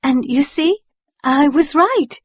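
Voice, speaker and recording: Picture a gentle, hopeful young wife speaking in a high, soft falsetto, put on by a male audiobook reader. Her lines sit far above the reader's own voice. The sound is close and dry, with no room around it. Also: expressive, slow pace, dry recording, exaggerated voice. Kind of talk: audiobook character voice.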